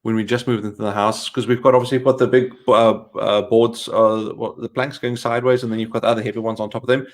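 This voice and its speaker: A man's voice: fairly low pitch, level tone, fast talker, hardly any pauses. A man co-hosting a casual tech stream, telling anecdotes in a rambling way and often interrupting himself. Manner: rambling, self-interrupting storytelling. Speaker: live stream co-host.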